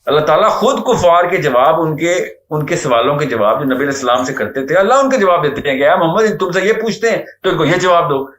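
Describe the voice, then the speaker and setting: A man's voice: on the high side, expressive, hardly any pauses, a bit bright. Earnest man lecturing in an echoey room. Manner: earnest, lecturing, mixes English words. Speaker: guest speaker. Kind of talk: Islamic talk show discussion.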